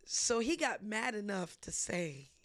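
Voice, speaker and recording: Animated woman sharing faith stories. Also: medium pitch, a little slow, dry recording, clean studio sound. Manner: animated storytelling, laughs often. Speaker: ministry host. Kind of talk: casual faith discussion.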